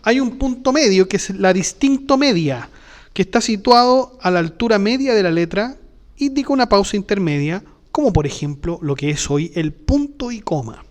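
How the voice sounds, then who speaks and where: A man's voice: high voice, animated, normal speed. A man hosting a philosophy channel, explaining a topic in a patient lecture style and often checking in with his listeners.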